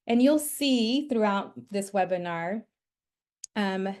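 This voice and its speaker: Casting: woman, mid-pitched voice, reflective storyteller presenting a webinar. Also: darkish tone.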